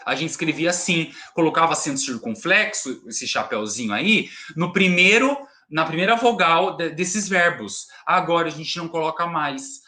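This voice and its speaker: A man's voice: a little high, bright, forceful tone. A male teacher with a Brazilian Portuguese accent, explaining a lesson to students and checking in with frequent tag questions. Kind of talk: recorded remote class lesson.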